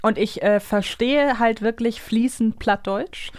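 A woman's voice: fairly high pitch, a little slow, darkish tone, no echo, clean studio sound. A woman with a slight northern German accent, chatting as a podcast host and articulating with care. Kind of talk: casual co-hosted chat.

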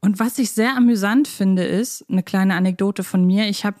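A woman talks as a podcast co-host. Her voice sits at a middle pitch for a woman, and she chats casually, wandering through long asides as fans do. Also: normal speed, darkish tone. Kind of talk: casual fan podcast discussion.

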